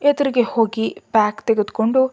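A woman tells a first-person romance story aloud. Her voice is fairly high, and her reading is lively and expressive. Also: moderate pace.

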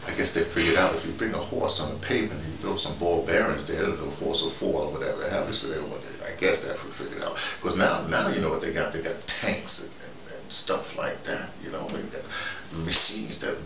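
Older American man, gravelly and roomy. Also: extremely low pitch. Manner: halting, repetitive, colloquial, emphatic. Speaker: host, storytelling activist. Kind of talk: rambling conversational monologue. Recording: noisy, roomy, distant microphone.

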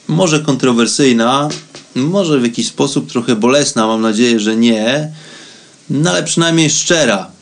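A man's voice: mid-range voice, vocal fry. A man hosting a spirituality radio show, giving a reflective solo monologue in a conversational way, addressing listeners directly.

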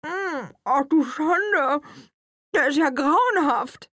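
A woman reading an audiobook, voicing a bubbly, excitable young woman friend in a chirpy, gushing way. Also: sits high, slow pace, no echo, clean studio sound, voice pushed up, heavily acted. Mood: chatty.

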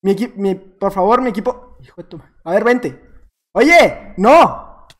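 A man with a Mexican accent giving jokey, casual commentary while playing a game, talking to himself and to opponents, jumping between loud outbursts and muttered asides. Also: sits high, fairly quick. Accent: Mexican Spanish. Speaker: gaming YouTuber.

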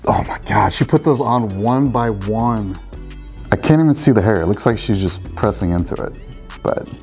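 A man's voice: on the low side, expressive, normal speed, darkish tone, soft background music. A man in his forties, a salon owner hosting casual reaction commentary in a salon, wry and opinionated. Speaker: salon owner and show host. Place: salon with product shelves, indoors.

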